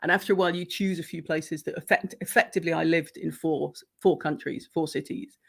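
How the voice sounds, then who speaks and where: A middle-aged woman with an English accent, a coach talking as a podcast guest, animated and thoughtful. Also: sits low, a little fast, vocal fry. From Irish, grew up in Pakistan and Nigeria. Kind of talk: casual conversational interview. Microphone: video call.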